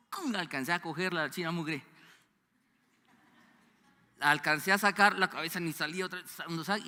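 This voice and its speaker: A Colombian man in his fifties with a Bogotá accent, preaching a sermon in an animated way, asking the congregation questions and sometimes dropping to a low, hushed voice. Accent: Colombian Spanish (Bogotá). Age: 50s. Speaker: pastor. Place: church sanctuary. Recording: long church hall reverb.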